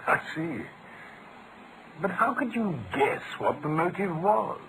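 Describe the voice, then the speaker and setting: An actor playing an admiring, slightly puzzled British gentleman companion to a detective, hesitant and earnest, in old-time radio drama style. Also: sits high, sing-song, takes it slowly, gravelly, background noise, full character voice. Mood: curious.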